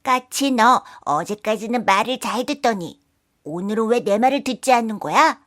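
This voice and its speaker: A woman's voice: fairly high pitch, animated, moderate pace, fairly bright tone. A woman voicing a hot-tempered, gullible fox with a blustering, demanding manner in a children's folktale. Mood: irritated.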